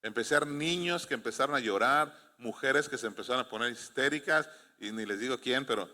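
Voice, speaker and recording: A man's voice: medium pitch, fairly quick, pushed and bright. A man with a Mexican accent, a pastor preaching a sermon and telling stories as he asks the congregation to respond. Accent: Mexican Spanish. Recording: long hall reverb.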